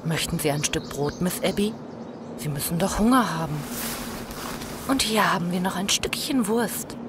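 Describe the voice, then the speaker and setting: A woman's voice: fairly low pitch, normal speed, background noise, close to an everyday voice. A woman playing a coarse, greedy, mocking wife in a horror audio drama, with a sneering, mock-sweet manner. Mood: feigned kindness.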